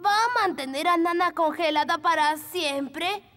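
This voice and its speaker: A woman's voice: very high-pitched, a little slow, a bit bright. A woman with a Latin American Spanish accent voicing a polite, curious little elf boy in a children's cartoon.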